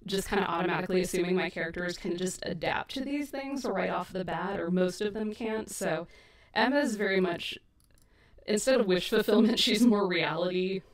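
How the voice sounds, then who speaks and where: A woman's voice: on the low side, moderate pace. A woman hosting a casual editing livestream, chatty and self-deprecating, laughing often. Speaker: audio drama creator and host. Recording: echoey stream mic from a distance.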